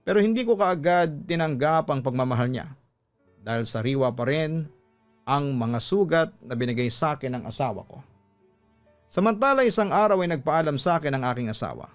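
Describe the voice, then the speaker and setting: A man's voice: on the high side, expressive, brisk. A man with a Filipino accent, a host narrating love stories and giving advice in a dramatic storytelling style. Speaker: radio-style host reading listener letters and giving advice. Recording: music bed behind the voice. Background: instrumental music.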